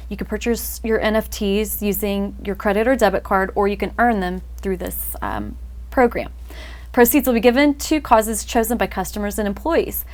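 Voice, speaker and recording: A young adult woman co-hosting a podcast, reading news items in an upbeat way and chatting loosely between them. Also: mid-range voice. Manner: upbeat, reads news smoothly, then chats loosely. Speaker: co-host. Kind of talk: casual podcast chat with scripted news segments.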